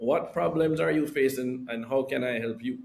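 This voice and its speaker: Audible room echo surrounds a man speaking at a moderate pace, with a medium pitch and ordinary pitch variation. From Jamaica. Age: 40s. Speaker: investor and company founder. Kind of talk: interview conversation.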